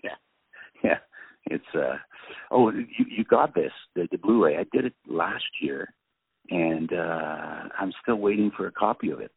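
A man with a French accent, a film director, telling anecdotes in an interview with many halting restarts and fillers. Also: low-pitched, lively intonation, creaky, slightly rough, no room sound. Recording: tinny phone-line audio.

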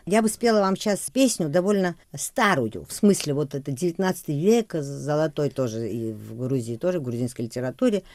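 A woman from Georgia whose first language is Georgian, a singer and songwriter talking as a guest in a radio interview, expressive and musing. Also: low-pitched, brisk, hardly any pauses, dry recording. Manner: expressive, musing, laughs easily.

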